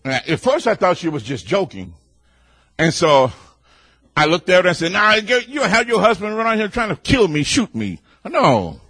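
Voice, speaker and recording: A man preaching a sermon in a loud, boisterous way, building up to near shouting and easing back into storytelling. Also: high voice, sing-song, normal speed, husky, no echo.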